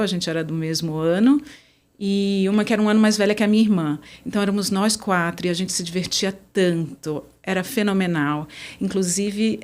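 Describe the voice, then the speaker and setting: A woman from Brazil, a conference interpreter, chatting as a podcast guest and telling stories in a friendly, easygoing way. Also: mid-range voice. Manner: chatty, warm storyteller. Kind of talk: casual interview chat.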